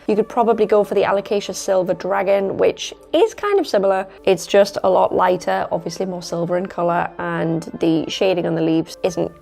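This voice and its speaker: A woman's voice: medium pitch, creaky, darkish tone. A woman talking casually to her viewers about her plants, chatty and rambling, while she is losing her voice. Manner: chatty, rambling, self-correcting. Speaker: plant vlogger. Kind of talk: casual talk to camera. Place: at home indoors.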